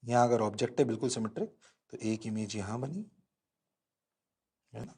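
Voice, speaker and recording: A male physics teacher giving a lively exam-prep lecture, repeating questions to his students. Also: mid-range voice, moderate pace. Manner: animated, playful, repeats questions to the class.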